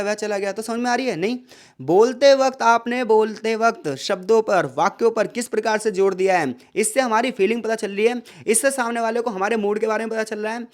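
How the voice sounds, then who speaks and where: A male tutor giving an exam-prep lecture, asking rhetorical questions, calling his listeners brother and mixing English words into his talk. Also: very high voice. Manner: mixes English words into Hindi.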